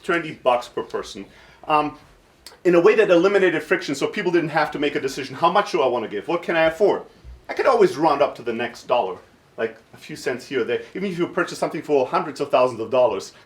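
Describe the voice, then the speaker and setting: A man in his thirties from Greece, raised in southern Germany, giving an informal workshop talk in a blunt, irreverent, self-deprecating manner while jet-lagged. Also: medium pitch. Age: 30s. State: jet-lagged, short of sleep.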